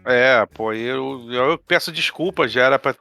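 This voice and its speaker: A man in his forties from Rio de Janeiro with a Carioca accent, a guest chatting in a relaxed, joking way about his long history with tabletop games. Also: mid-range voice, measured pace, vocal fry, no echo, soft background music. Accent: Carioca Brazilian Portuguese. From Rio de Janeiro, Brazil. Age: 40s. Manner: laid-back, jokey, self-deprecating. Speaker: guest, RPG game master and writer. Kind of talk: casual interview chat.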